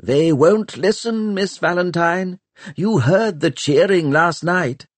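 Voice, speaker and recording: A man voicing a kindly older male historian with a soft, husky voice. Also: high-pitched, slow pace, no echo, voice pushed up. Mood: resigned.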